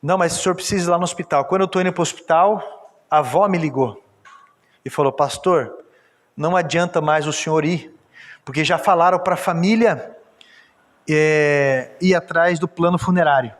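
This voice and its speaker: A Brazilian pastor telling a testimony in a church service sermon, moving from storytelling to emphatic exhortation. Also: male voice, a little high, moderate pace, long pauses. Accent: Brazilian Portuguese. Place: church sanctuary. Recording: church hall reverb.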